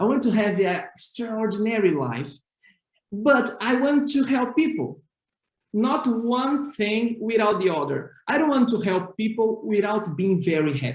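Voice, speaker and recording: Someone with a Portuguese accent speaks at a fairly slow pace. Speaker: laughter yoga trainer. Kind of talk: conference presentation. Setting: conference. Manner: halting.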